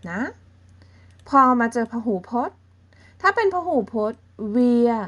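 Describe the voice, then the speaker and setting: Woman, language teacher, beginner lesson, slow delivery, slightly high voice, patient step-by-step explaining. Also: animated. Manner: patient, explains slowly and checks in with softening particles.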